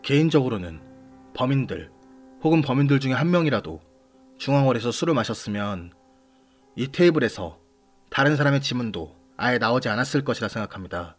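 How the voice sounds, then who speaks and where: A man hosting and narrating a scripted true-crime series in a measured, formal manner, putting questions to the audience. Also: medium pitch, animated. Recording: voice over background music. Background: background music.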